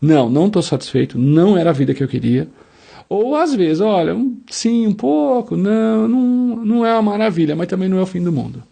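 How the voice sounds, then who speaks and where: Gravelly-voiced man. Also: high voice, lively intonation, a little fast, dark tone. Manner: reads quiz items, then acts out sample answers in first person. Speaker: motivational speaker. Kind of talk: self-help quiz talk.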